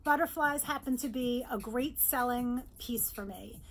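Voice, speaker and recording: A middle-aged woman from New York, a jewelry designer, presenting her bracelets in a bright, chatty sales pitch in her showroom, close to the camera. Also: unhurried, soft background music. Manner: upbeat, chatty sales pitch, holds up pieces. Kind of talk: virtual trade show product presentation. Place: indoor showroom with jewelry displays.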